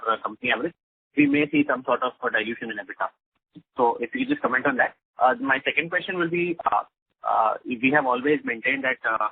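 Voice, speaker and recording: A man speaking as a financial analyst, politely and haltingly asking long questions on an earnings call. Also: medium pitch, slightly rough, no room sound. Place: telephone conference call. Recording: tinny narrowband telephone line.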